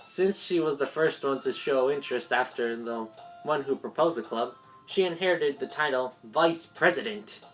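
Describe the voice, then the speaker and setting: Low, unhurried woman reading over music. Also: low-quality recording. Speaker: player narrating a visual novel. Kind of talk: reading game script aloud with asides. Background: game music.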